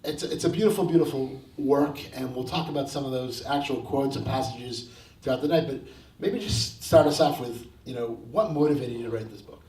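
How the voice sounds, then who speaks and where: A man's voice: mid-range voice, a little fast, hardly any pauses, a little mellow. Male moderator, enthusiastic and wordy, introducing the author; heard from a distance in a roomy hall. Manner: enthusiastic, repeats words. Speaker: event host. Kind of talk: moderating a book launch. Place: event hall.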